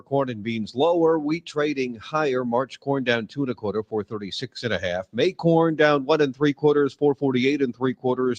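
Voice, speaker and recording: A male farm radio market reporter reads out commodity prices. His medium-pitched delivery is clipped and list-like, moving from figure to figure. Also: dull audio.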